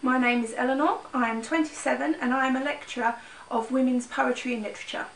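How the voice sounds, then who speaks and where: Brief: woman as a blunt feminist lecturer, high voice, distant and echoey. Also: steady tone, fast talker, a little hiss or hum. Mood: assertive. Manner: assertive, opinionated. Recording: echoey room, mic far off.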